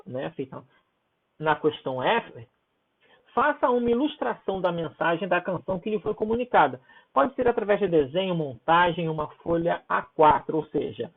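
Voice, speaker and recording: A male teacher walks his pupils through a worksheet, relaxed and chatty, often pausing to check they are following. His voice moves up and down a great deal as he talks. The sound is thin and narrow, like a phone line. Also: sits high. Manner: informal, checks in with "né?" and "tá?". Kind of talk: recorded homework walkthrough for pupils. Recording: tinny phone-like audio.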